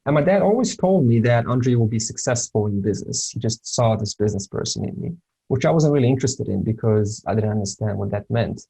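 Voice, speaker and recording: A man's voice: on the low side, animated, fairly quick, vocal fry, mellow, breathy edge, low-quality recording. A Serbian-born man whose first language is Serbo-Croatian, giving an informal lesson in a hesitant way, with many fillers and restarts. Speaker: spiritual teacher.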